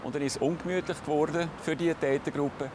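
A man's voice: fairly high pitch, steady tone, quick pace. A man with a Swiss German accent, a police investigator, recounting events plainly in a documentary interview on a city street. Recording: street noise behind. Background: urban street noise, passing vehicles.

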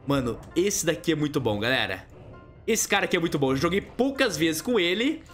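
A man's voice: a little high, a little fast. Young brazilian guy doing hyped gameplay commentary, voice jumps all over, faint music behind. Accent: Brazilian Portuguese. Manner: excitable, yelps and laughs, talks to viewers as "galera" and "manos". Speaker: gaming YouTuber. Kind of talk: excited let's-play commentary.

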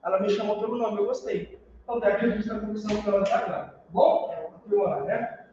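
A man's voice: high voice, fast talker, a little hiss or hum. A man with a Brazilian accent teaching a class on customer service, telling stories and acting out customers and clerks. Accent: Brazilian Portuguese. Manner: animated storytelling, acts out customers and clerks. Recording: echoey room, far from the mic, dull sound.

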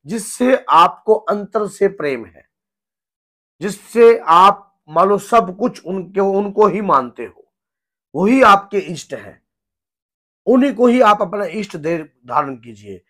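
A hoarse man in his thirties, a spiritual guru giving an earnest devotional teaching talk at home. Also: high voice, expressive, slow, a bit bright. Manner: earnest, gesturing, repeats himself. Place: home room with a shrine, indoors.

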